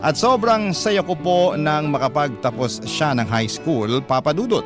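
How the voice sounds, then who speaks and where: A man's voice: a little high, animated, a little slow. A man playing a proud, sentimental gay adoptive parent, narrating a life story in a confiding Filipino radio drama style. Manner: earnest, confiding. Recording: background music under voice. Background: guitar music.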